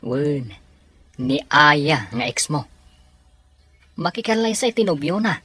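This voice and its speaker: An easygoing young man from an audio drama , acted by a woman, speaks with an Ilocano Filipino accent. The voice sits low and rough-edged, moves with lots of melody, and has music underneath. He comes across as a teasing, loyal pal. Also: big pitch swings, slow, fairly bright tone, dry recording, exaggerated voice. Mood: concerned, casual.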